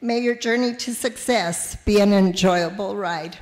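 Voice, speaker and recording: A woman's voice: medium pitch, measured pace. A woman from an advisory board giving a formal, congratulatory greeting speech. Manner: warm, congratulatory. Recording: long hall reverb.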